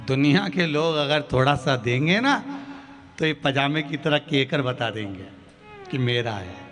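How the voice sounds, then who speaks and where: A male preacher telling a devotional story to a live gathering, acting out its characters with animated delivery. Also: a little high, a little slow, in a large hall, faint music behind. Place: large live religious gathering.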